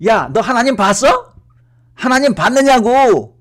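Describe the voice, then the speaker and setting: A preacher voicing his gruff, irritated older father, who scornfully scolds his son in a raised, shouting voice. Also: very high voice, lively intonation, measured pace, pitched above the performer's own voice, exaggerated voice. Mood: angry shouting.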